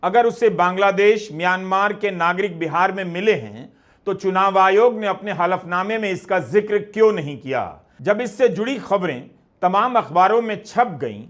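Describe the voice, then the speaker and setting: A middle-aged man presenting news commentary in a measured voice, raising questions one after another. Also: high voice, a bit bright.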